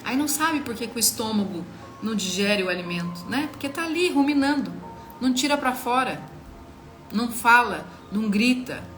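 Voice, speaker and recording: A woman's voice: on the high side, lively intonation, moderate pace, fairly bright tone, soft background music. A woman in her thirties with a Brazilian Portuguese accent, giving an earnest, emphatic devotional teaching and speaking straight to the listener.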